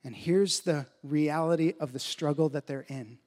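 A man preaching a sermon as pastor, teaching emphatically and slowing down carefully on key phrases. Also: darkish tone. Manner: emphatic teaching, rises in pitch to stress points; slows down deliberately on key phrases.

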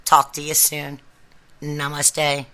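A woman's voice: sits low, completely flat delivery, slow pace, pushed and bright. A woman hosting a podcast, talking casually and directly to her listeners in an encouraging, instructive way. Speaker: podcast host.

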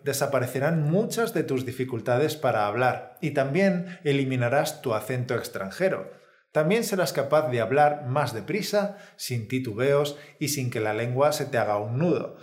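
A man of middle pitch explains a lesson calmly, in a scripted podcast manner. The recording has a roomy echo around his voice. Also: normal speed. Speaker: Spanish teacher.

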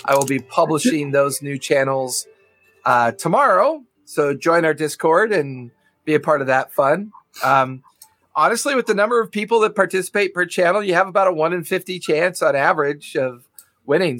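A man's voice: a little high, a bit bright, no echo, poor audio. A man hosting a tabletop game show who gives casual announcements and rambles with frequent ums and uhs. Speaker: game master and host.

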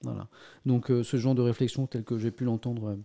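A man with a dark, gravelly voice runs a relaxed live-stream press review. He talks straight to his chat in a chatty, self-mocking way. He keeps breaking off with fillers and restarts. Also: medium pitch, brisk. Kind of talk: casual live-stream commentary.

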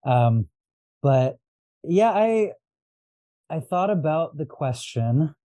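Man, very warm dark tone, dry close sound, reflective, rambling, casual interview guest. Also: fairly high pitch, big pitch swings, slow pace, no room sound. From Los Angeles. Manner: reflective, rambling, frequent restarts and fillers. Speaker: podcast guest, astrologer and diviner.

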